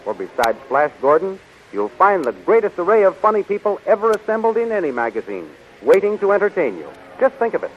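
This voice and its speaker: A man's voice: high-pitched, very animated, fairly quick. A man narrating as a 1930s radio announcer, theatrical, grandiose and enthusiastic. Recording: muffled, hissy 1930s radio recording.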